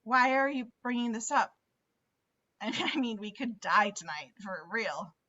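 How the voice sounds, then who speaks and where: Woman acting an earnest teenage girl, bright voice. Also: fairly high pitch, expressive, unhurried, muffled recording, exaggerated voice. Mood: earnest, flustered. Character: Max, earnest, conflicted teenage girl grieving her mother. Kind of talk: virtual table read of a film script.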